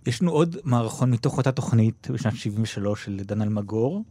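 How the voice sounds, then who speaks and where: A man hosting a podcast interview, calmly introducing archive clips. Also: lowish voice, no room sound. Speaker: host.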